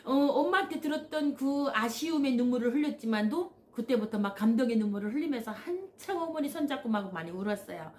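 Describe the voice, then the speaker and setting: A woman's voice: fairly high pitch, brisk, few pauses, slight background noise. Woman telling her story. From North Korea. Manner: animated, acts out quoted voices, frequent "yes" and "uh" fillers. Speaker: channel host. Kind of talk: personal storytelling.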